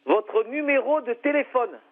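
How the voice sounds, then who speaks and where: A man's voice: extremely high pitch, animated, a little slow. Congested man on a tinny phone line. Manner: patient at first, increasingly exasperated. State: has a cold. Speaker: hair salon owner's husband. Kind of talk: phone conversation.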